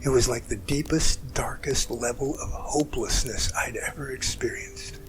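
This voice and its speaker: An earnest male rescuer, played by a man, tells his story in an amateur audio drama. His delivery is halting, dramatic and full of feeling, at an ordinary middle pitch. Music runs clearly beneath the voice. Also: fairly even intonation, whispered, natural voice, low-quality recording. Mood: distraught, tearful. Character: emotional male mountain rescuer recounting a harrowing rescue. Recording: music bed under the voice.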